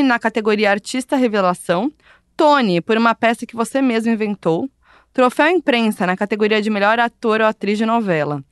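A woman's voice: on the high side, clear, resonant tone, dry recording, clean studio sound. A woman co-hosting a casual chat, reading quiz questions and laughing easily. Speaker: podcast co-host.

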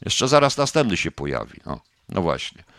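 A man's voice: low-pitched, very animated, moderate pace, creaky, fairly bright tone, dry recording, clean studio sound. A middle-aged man hosting a live online broadcast, reading chat comments aloud and challenging them with repeated pointed questions and the odd curse.

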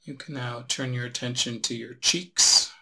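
A man guiding a relaxation meditation as a teacher, giving unhurried instructions with long pauses. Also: mid-range voice, steady tone, creaky, bright, forceful tone.

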